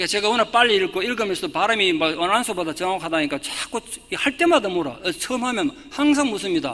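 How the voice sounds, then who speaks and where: A man with a high voice projects loudly at a very fast pace, his pitch swinging very widely. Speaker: pastor. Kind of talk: sermon.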